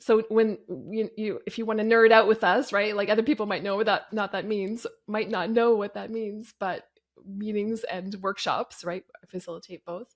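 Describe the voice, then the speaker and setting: A normal speaking voice with a Canadian accent. The pace is moderate and the intonation fairly even. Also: woman, fairly high pitch for a woman. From Ontario, Canada. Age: 50s. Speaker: learning designer and facilitator. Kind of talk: podcast interview.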